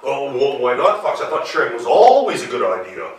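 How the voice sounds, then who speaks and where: A man's voice: medium pitch, big pitch swings, brisk, pitched below the performer's own voice, lightly acted. A big hungry bear from a folktale, acted out by a male storyteller, simple and trusting. He fumbles along hesitantly in a very reverberant room, some way from the microphone. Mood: hopeful, hungry. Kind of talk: live folktale character voice. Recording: roomy live hall, distant mic.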